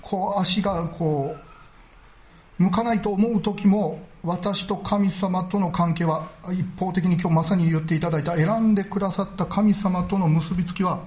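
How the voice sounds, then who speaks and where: A man delivering a Sunday sermon, his voice sitting a little high. He speaks earnestly and at a measured pace, filling pauses with small verbal fillers. He slows down deliberately to press home his main points. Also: a little mellow. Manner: measured, earnest preaching with frequent filler words. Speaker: pastor.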